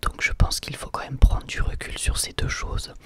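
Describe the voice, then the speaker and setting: A man hosting a whispered ASMR video, calmly answering viewer questions in a thoughtful, explanatory way. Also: normal speed. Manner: soft-spoken, thoughtful and explanatory. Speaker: ASMR channel host.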